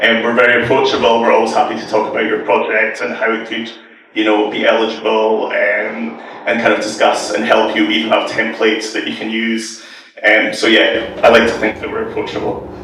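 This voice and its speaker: A man speaks at a fairly quick pace while audible room echo and noticeable background noise fill the recording. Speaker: conference speaker, games industry tax relief manager. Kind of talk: conference talk. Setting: stage with audience, microphone. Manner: hesitant fillers.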